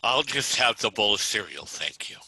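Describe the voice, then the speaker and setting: A man's voice: on the low side, big pitch swings, moderate pace, bright, forceful tone, breathy edge, full character voice, rough recording. A man playing an irate, exasperated suburban father in a comedic script read, blustering and emphatic. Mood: irritated.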